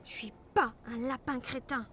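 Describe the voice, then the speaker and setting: A woman's voice: high voice, fairly even intonation, moderate pace, background noise, natural voice. A woman voicing an earnest, indignant young female rabbit police officer in a cartoon dub, with a stern manner.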